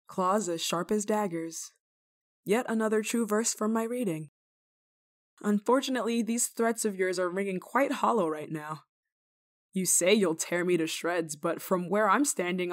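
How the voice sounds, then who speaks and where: A woman playing a stern but kind-hearted village nun in a dramatic roleplay monologue, scolding and teasing with theatrical pauses. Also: mid-range voice, close to an everyday voice. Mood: taunting, confident.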